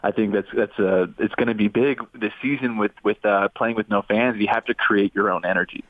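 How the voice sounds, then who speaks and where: A man in his twenties, a former quarterback calling in to a radio talk show, speaking in a halting way with many restarts. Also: lowish voice, steady tone, no room sound. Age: 20s. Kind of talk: casual radio interview call-in. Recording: tinny phone line.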